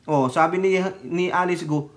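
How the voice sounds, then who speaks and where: A man from the Philippines giving casual political commentary on his vlog, talking straight to his viewers in a lively, mocking way. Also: fairly high pitch, moderate pace.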